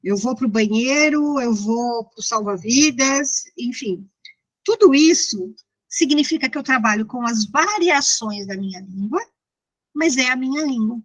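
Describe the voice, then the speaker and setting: Higher-voiced São Paulo Brazilian woman lecturer. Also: a little slow, rough recording. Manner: didactic, conversational, checks in with listeners. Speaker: university lecturer. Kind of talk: informal interactive lecture.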